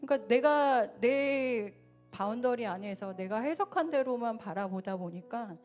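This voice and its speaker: A woman preaching a sermon in a church, earnest and swelling louder then dropping soft. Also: on the high side, expressive, measured pace, soft background music. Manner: earnest, rises and falls in loudness. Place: church sanctuary.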